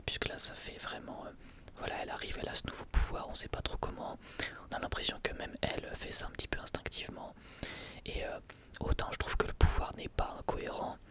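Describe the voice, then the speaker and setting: A man hosting his channel, reviewing an anime episode in a soft ASMR whisper, hesitating often with fillers.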